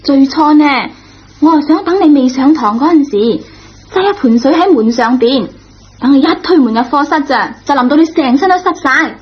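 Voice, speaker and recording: A woman's voice: sits high, moderate pace, close to an everyday voice. A woman playing a contrite, naively frank teenage schoolgirl, earnest and hesitant, in a Cantonese radio drama. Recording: dull lo-fi old radio recording.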